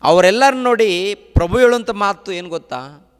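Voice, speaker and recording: A male pastor delivers a sermon in emphatic, rhythmic phrases, piling up repeated lines one after another. His voice sits somewhat high for a man. A long reverb tail hangs behind every phrase. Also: moderate pace, smooth. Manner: repetitive emphatic preaching, listing phrases in threes.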